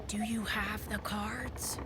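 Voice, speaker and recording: A woman's voice: mid-range voice, steady tone, slow, background noise, lightly acted. Woman doing a pompous boy detective. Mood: whispering. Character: pompous know-it-all sixth-grade boy detective. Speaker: narrator and lead character. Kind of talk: audio drama acting.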